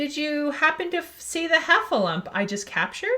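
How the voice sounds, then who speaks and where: Squeaky and high-pitched, a woman's put-on character voice swings very widely in pitch at a moderate pace. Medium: read story. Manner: gentle, slow, innocent.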